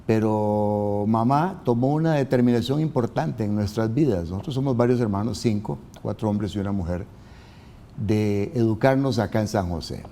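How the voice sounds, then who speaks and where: A man in his seventies from Costa Rica speaks in a calm, measured, storytelling way. His voice is low and warm. A faint hum of room noise sits behind him. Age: 70s. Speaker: guest. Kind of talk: interview answers.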